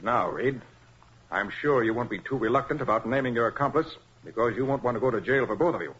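Husky, commanding radio detective. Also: male voice, medium pitch, expressive, a bit bright. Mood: triumphant. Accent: American. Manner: brisk, authoritative, self-assured. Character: quick-witted, commanding male private detective. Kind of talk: 1940s radio crime drama acting. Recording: muffled, dull vintage 1940s radio recording.

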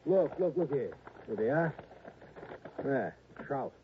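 A man's voice: medium pitch, very animated, slow. A man playing a shifty, flustered arson suspect in an old radio crime drama, protesting defensively with stammers. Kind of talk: 1950s-60s radio crime drama acting. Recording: tinny, noisy old radio recording.

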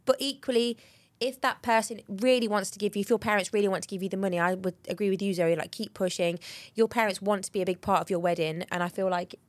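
A woman's voice: mid-range voice, steady tone, fast, dry recording. A British woman in her early thirties co-hosting a podcast, chatting casually, swearing now and then and acting out what people say. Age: 30s. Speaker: podcast co-host. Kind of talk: casual chat.

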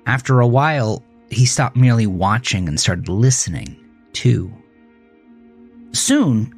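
A man reads scripted thriller narration in a deep, low register. His delivery is markedly slow and measured, with faint music behind him.

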